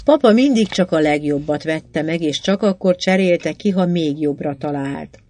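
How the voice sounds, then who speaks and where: A woman reading aloud, voicing a young wealthy woman who adores jewels, with a bright, breathless and eager sound. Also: sits low, expressive, slight background noise. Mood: gushing.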